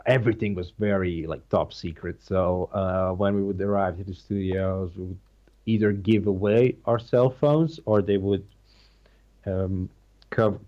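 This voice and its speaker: A man's voice: lowish voice, muffled recording. A man with a Slovenian accent, Slovenian his first language, talking as an actor guest in a casual interview, searching for words and restarting often. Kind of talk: casual interview over a call.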